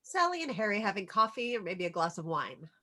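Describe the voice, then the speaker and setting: A woman's voice: medium pitch, very animated, a little fast, pushed and bright. A woman reads out stage directions as scripted narration for a screenplay table read.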